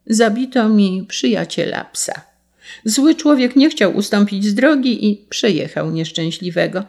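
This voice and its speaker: Woman doing a stern little revenge-bent sparrow, high and declaiming, slow, gravelly edge, storybook. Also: animated, a little mellow. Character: small vengeful male sparrow, righteous and stern.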